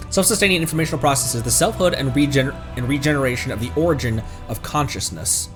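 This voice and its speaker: A man's voice: medium pitch, fairly quick, over music. A man streaming a video game, reading its text aloud with asides and stumbling over long words.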